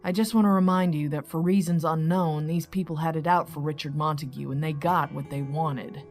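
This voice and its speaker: An actress playing an impatient, no-nonsense female police commander in an audio drama, authoritative and brisk in manner. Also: deep voice, steady tone, darkish tone, faint music behind. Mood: businesslike.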